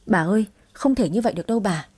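A woman's voice: mid-range voice, fast talker, a little mellow, slightly rough, natural voice. A woman voicing a grieving, stubborn old village mother who pleads tearfully. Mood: plaintive.

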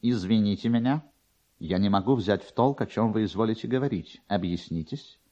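A man voicing a haughty, pious nose dressed as a high official, speaking formally and curtly in a dramatic literary reading. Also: fairly quick, warm tone, lo-fi sound, close to an everyday voice. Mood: haughty, puzzled. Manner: formal, curt, dignified. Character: haughty, pious nose in a state councillor's uniform.

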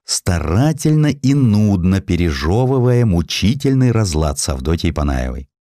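A man reading a historical essay as an audiobook narrator, in an expressive, reflective and dramatic literary storytelling manner. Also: low-pitched, no echo, clean studio sound.

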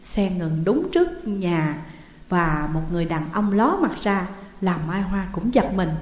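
A woman narrating a ghost story in a steady, dramatic storytelling voice. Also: fairly low pitch, measured pace. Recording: echoey room with long reverb.

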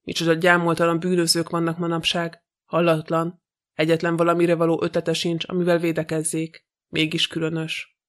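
A man's voice: a little high, monotone, a bit bright, natural voice. A man reading the lines of a cocky, arrogant young detective in an audiobook, brash and mocking.

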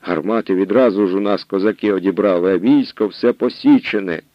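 A man's voice: deep voice, brisk, dry recording, dull audio, close to an everyday voice. A man doing a frightened young soldier. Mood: pleading. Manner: pleading, stammering. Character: frightened young male soldier, battered messenger. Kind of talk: audiobook reading.

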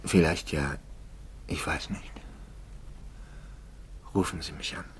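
An actor playing a troubled, doubting Catholic priest in a 1950s German radio play, brooding and intense, often dropping toward a whisper. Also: male voice, extremely low pitch, fairly even intonation, slow. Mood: subdued.

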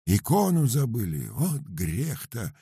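A man voicing a shrill, sobbing old peasant woman. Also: wildly swooping pitch, takes it slowly, warm tone, breathy edge, no echo, studio quality, full character voice. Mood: wailing. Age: older. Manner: shrill keening lament. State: crying. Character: wailing old peasant woman losing her icon.

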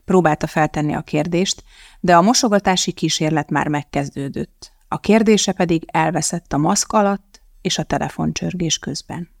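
An audiobook narrator telling the story in a calm, even way. The voice has a gravelly fry to it, and the recording is close and completely dry. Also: medium pitch, dry recording. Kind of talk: scripted narration.

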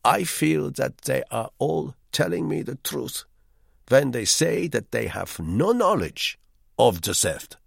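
A man's voice: mid-range voice, expressive, slow pace, vocal fry, breathy edge, dry recording, clean studio sound, voice pushed up, full character voice. A man doing a grave, formal hotel manager.

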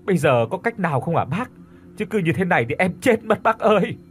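A desperate village father whose voice climbs high and cracks into wailing pleas, as a male storyteller puts him on. The delivery swings up and down with lively, uneven pitch, full of panic. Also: a little fast, faint music behind. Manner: wailing, pleading.

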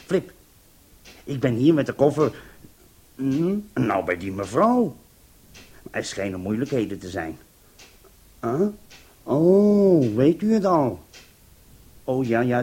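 A man's voice: medium pitch, darkish tone, husky. An actor playing a flustered, hesitant male thief in a Dutch radio play. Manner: hesitant, questioning. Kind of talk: Dutch radio drama acting.

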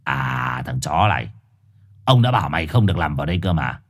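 A man voicing a bossy, gruff black four-eyed street dog with a hoarse, raspy voice. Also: a bass voice, sing-song, a little fast, a bit bright, voice pushed down, full character voice. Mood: hostile. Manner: growling, rough, condescending.

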